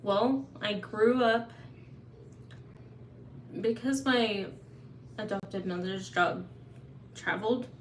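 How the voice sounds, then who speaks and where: A woman's voice: mid-range voice, slow, pauses often, a little hiss or hum. A woman from Oklahoma hosting a casual live Q&A, chatty and open as she answers viewers' questions. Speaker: livestream host. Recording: echoey room, faint ambience.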